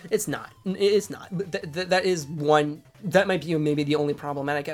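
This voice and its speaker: A man's voice: a little high, moderate pace, faint music behind. A man co-hosting a podcast in casual chat, recapping a cartoon episode, laughing often and acting out quoted lines. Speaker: podcast co-host.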